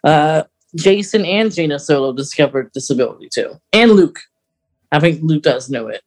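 A podcast co-host with a medium-pitched voice talks casually. The delivery is that of a fan discussing a favourite story in relaxed conversation. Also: moderate pace.

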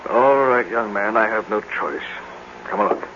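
A man's voice: fairly low pitch, moderate pace, fairly bright tone, dull audio, slight background noise, natural voice. A man acting a stern, haughty older scientist in a 1950s radio drama, formal and precise in his speech, on an old recording. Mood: disdainful.

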